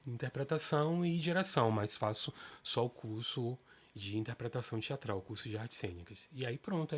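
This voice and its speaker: A man in his fifties from Salvador with a Bahian Brazilian accent, telling his life story as a guest in a relaxed interview. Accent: Bahian Brazilian Portuguese. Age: 50s. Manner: animated storyteller, pitch rises when excited. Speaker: guest, stage actor.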